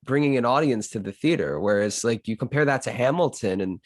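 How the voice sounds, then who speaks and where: A man's voice: mid-range voice, lively intonation, a little fast, no room sound. A man hosting a casual podcast interview, talking informally with loose slang and some swearing.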